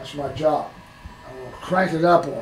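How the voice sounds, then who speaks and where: A man speaks with fairly even intonation, with light background noise and audible room echo. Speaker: handgun expert and concealed carry instructor. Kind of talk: classroom lecture and range commands. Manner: shouting, drill-instructor style. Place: classroom. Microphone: camera far.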